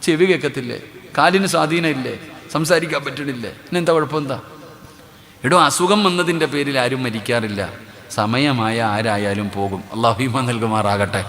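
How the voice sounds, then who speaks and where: Forceful preacher with a lilt, echoing hall. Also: male voice, normal speed. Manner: drills the crowd with repeated questions and calls for responses; swings between loud exclamations and low, quiet asides. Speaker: Islamic preacher. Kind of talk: sermon. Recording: reverberant public hall.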